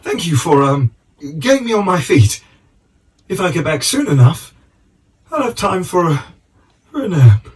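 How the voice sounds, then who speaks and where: Put-upon elderly British miner for a game: hesitant, grumbling, higher-pitched, animated intonation. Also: male voice, a little slow, long pauses, distant mic. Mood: tired, grateful. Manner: hesitant, bewildered, complaining. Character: weary, put-upon old miner, grandfatherly and forgetful. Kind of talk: video game voice acting.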